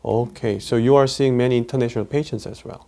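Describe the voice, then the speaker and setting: A middle-aged man with a Korean accent, his voice gravelly and mellow, asking questions in a curious, friendly interview manner. He often slips in short acknowledgments while the guest talks. His voice carries through a quiet, curtained room. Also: mid-range voice, steady tone, quick pace. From South Korea. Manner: curious, with frequent small acknowledgments. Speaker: urologist interviewer.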